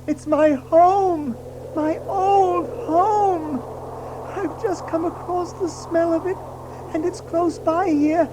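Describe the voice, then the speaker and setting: A woman playing a timid, homesick little male mole in a storybook audio drama, speaking plaintively and haltingly. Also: extremely high pitch, fairly even intonation, noisy background. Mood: urgent, pleading.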